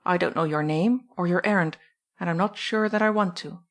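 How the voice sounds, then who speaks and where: A composed, commanding man, voiced by a woman reader, talks in curt, firm sentences. She keeps her own lowish voice for him. This is a plain audiobook reading. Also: normal speed, lightly acted.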